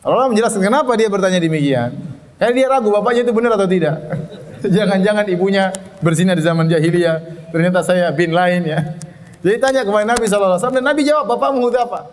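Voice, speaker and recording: Male religious teacher, high voice, lively lecturing, reads Arabic then explains, long hall reverb. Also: quick pace, a little hiss or hum. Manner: lively, chuckles at his own examples. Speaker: Islamic teacher. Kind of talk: religious study lecture on hadith.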